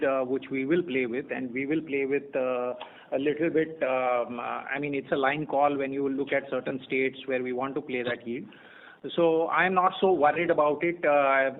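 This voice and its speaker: A man with an Indian accent gives unscripted executive answers on an earnings call, measured and halting, often repeating phrases as he searches for words. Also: fairly high pitch. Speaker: company executive answering analyst questions. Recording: tinny narrow-band phone conference line.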